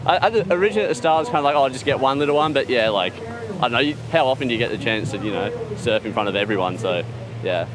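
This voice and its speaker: A man's voice: medium pitch, expressive, rapid-fire. A young man from New Zealand, a surfer, answering interview questions in a laid-back, mumbling way full of fillers. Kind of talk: casual interview. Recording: outdoors with crowd noise.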